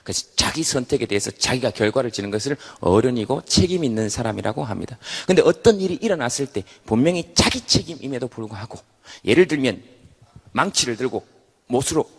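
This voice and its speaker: A man giving a comedic stage talk to a live audience, an animated storyteller who acts out the voices he quotes. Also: mid-range voice, slightly rough. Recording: long hall reverb.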